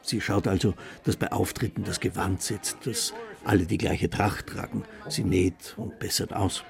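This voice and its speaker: A man's voice: low voice, fairly even intonation, moderate pace, vocal fry. A man narrating a scripted documentary report as a reporter.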